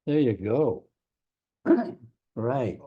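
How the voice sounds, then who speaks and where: A man's voice: medium pitch, sing-song, drawn-out words, breathy edge, narrow, tinny audio. An older man from Scotland with a Scottish accent, giving a speech to a club meeting with dry, wry humour. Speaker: district governor, guest speaker.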